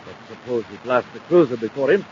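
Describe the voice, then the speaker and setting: A man's voice: medium pitch, lively intonation, fast talker, darkish tone, natural voice. An actor playing a nervous, obedient villain's henchman, uneasy and deferential, in a 1950s radio adventure. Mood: doubtful. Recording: muffled, noisy 1950s radio recording.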